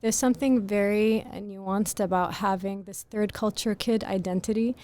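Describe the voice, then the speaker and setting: A woman author with a very soft voice, answering interview questions in a thoughtful, articulate and earnest way. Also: medium pitch, steady tone, normal speed. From grew up in Greece. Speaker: author guest. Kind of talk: podcast interview.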